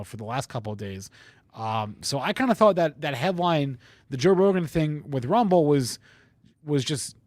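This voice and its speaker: A man commentating on a live market show, reasoning aloud in casual debate and often repeating words haltingly. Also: medium pitch, a little mellow, no room sound.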